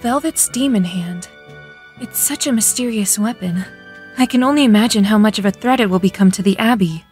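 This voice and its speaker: A woman's voice: medium pitch, brisk, a little mellow, faint music behind, natural voice. A woman voicing an earnest, easily flustered young female warrior in a fan dub of an anime game. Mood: pensive.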